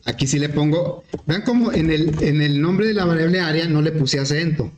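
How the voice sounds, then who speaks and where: A man teaching programming, explaining step by step with questions to the class and often clearing his throat. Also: fairly high pitch, normal speed, slight background noise. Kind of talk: screen-recorded class explanation. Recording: echoey room.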